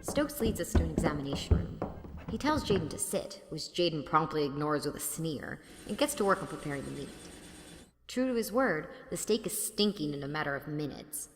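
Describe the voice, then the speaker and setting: A woman's voice: low-pitched, animated, fairly quick. A woman playing a blunt, exasperated female student who narrates and acts in an audio drama, with a dry sardonic manner. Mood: narrating. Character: exasperated, sarcastic female student, narrator of her own story.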